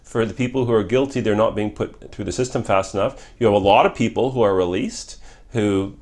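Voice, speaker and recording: A man's voice: lowish voice, brisk, a little mellow. A middle-aged man whose first language is Polish, a former member of Parliament answering interview questions in an earnest, repetitive way with many restarts. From Canada.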